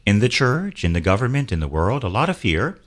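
A man's voice: on the low side, sing-song, brisk. A man, a priest, hosting a radio talk show, earnestly exhorting and leading call-and-response prayer.

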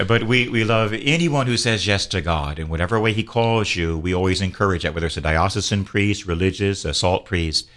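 A man's voice: deep voice, a little fast, few pauses, a bit bright. A man, a priest, hosting a radio talk show, earnestly exhorting and leading call-and-response prayer.

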